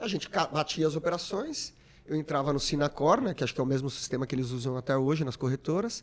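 A man's very fast delivery with ordinary pitch variation. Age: 40s. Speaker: professional trader; podcast guest. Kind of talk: interview. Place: studio. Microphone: studio mic.

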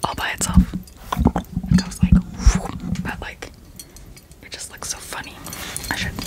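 The whispering goes on at a moderate pace. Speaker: ASMR creator. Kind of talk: ASMR video, casual talk to camera. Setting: close-up microphone held in hand. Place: home room. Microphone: studio mic.

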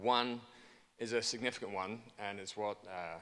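A fairly low-pitched man with an English accent and an animated tone. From England. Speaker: forest industry advocate; conference speaker. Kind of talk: conference keynote. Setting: stage with audience. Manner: humorous, animated. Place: hall. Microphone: podium.

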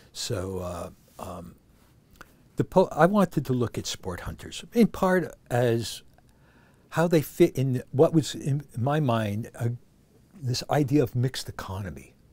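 Pausing long and often, a man speaks in a somewhat breathy voice with very wide pitch swings. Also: fairly slow pace, big swings in loudness. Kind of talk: interview answer. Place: office.

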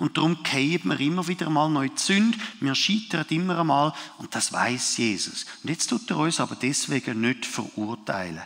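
Very wide pitch swings at a moderate pace. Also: man. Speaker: preacher. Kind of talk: live sermon. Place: stage.

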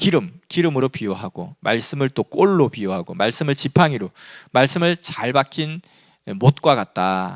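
Over a silent background in a very clean recording, a man speaks with an animated tone at a medium pitch. His pace is moderate and his pitch swings very widely. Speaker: Bible teacher. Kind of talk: Bible teaching talk.

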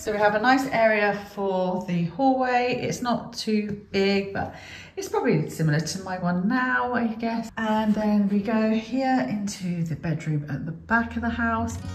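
Light noise sits behind a woman's voice. The room adds audible echo. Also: lively intonation, fairly slow pace. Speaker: vlogger touring her new house. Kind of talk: casual vlog chat. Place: empty room. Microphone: phone near.

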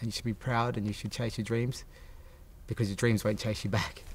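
A man speaks at a fairly quick pace with monotone, flat intonation. His voice is somewhat breathy. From Australia. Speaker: former footballer and cartoon series creator. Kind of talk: interview answer. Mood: proud, hopeful. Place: studio.

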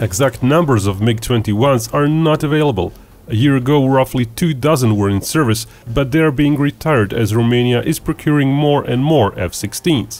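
This man keeps a very even loudness, a moderate pace and ordinary pitch variation. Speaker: narrator. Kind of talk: documentary narration.

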